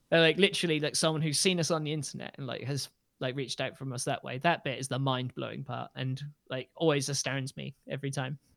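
The voice races along at a very fast pace with vocal fry. Its intonation stays fairly even. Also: man, fairly high pitch for a man. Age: 20s. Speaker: podcast host. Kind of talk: casual chat. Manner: giggly, laughs often.

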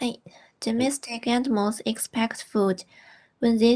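Her voice is fairly high-pitched, with a dark, mellow tone. The woman speaks at a very slow pace. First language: Chinese (speaking Japanese). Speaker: reading group participant. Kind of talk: reading aloud.

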